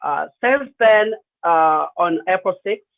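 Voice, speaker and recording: A man in his thirties with a Rwandan accent, giving personal testimony as an interview guest, hesitant and pausing often, over a remote call. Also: sits high, lively intonation, creaky, no room sound. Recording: muffled, radio-like narrow phone-quality line.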